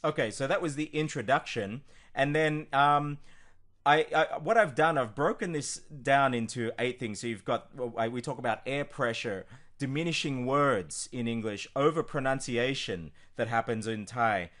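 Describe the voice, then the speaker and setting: A man's voice: mid-range voice, normal speed, a bit bright. Casual male coach, full of ums. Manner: informal, with frequent ums and restarts. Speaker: language coach. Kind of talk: screen-recorded teaching walkthrough.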